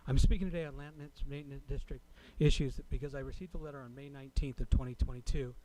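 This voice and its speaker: A man speaking as a resident at a public meeting, delivering a prepared comment in a formal, deliberate way. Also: medium pitch, fairly even intonation, mellow, poor audio. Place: city council chamber.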